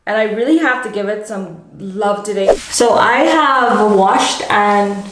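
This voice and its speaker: A young woman talks through her hair routine in a loose, chatty vlog manner, stopping to correct herself and search for words as she goes. Her voice sits at an ordinary middle pitch. The recording carries a noticeable room echo with a faint hum underneath. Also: measured pace. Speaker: beauty vlogger. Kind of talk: casual hair-care vlog. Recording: echoey home room, faint ambient noise.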